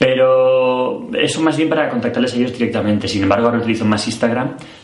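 With noticeable background noise and audible room echo, a man talks at a fairly quick pace with ordinary pitch variation. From Spain. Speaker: actor. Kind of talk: interview answers.

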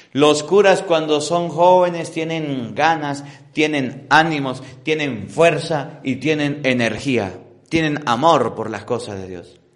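A man speaks at a very slow pace with big swings in loudness, his voice carrying audible room echo. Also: fairly high pitch for a man, ordinary pitch variation. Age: 30s. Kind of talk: sermon.

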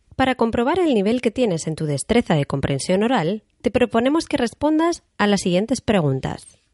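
In a Madrid accent, a woman speaks with a fairly high pitch and very wide pitch swings. The pace is moderate, and the sound is dry and close with no echo. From Spain, Madrid. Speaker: podcast host, Spanish teacher. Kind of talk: interview.

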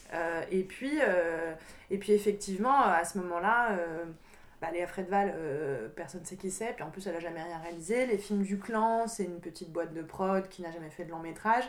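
A woman speaks at a medium pitch and a moderate pace, with ordinary pitch variation. Her loudness swings a lot, and audible room echo surrounds her. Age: 20s. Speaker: author and film director. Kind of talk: interview. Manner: halting.

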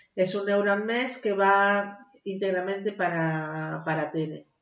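Medium pitch from a woman, set in audible room echo. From Uruguay. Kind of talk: interview.

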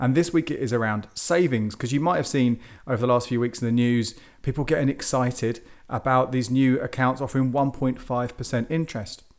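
A man with a British accent at medium pitch and a fairly quick pace, fairly even in intonation, in a very clean recording with a silent background. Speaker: podcast host, personal finance blogger. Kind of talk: solo podcast monologue, informal explainer. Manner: fast talker; casual, conversational with filler words.

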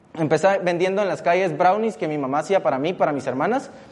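The man's tone is animated and his pitch high, with ordinary pitch variation. He speaks at a very fast pace. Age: 20s. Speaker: entrepreneur. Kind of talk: motivational talk. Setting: stage with audience.

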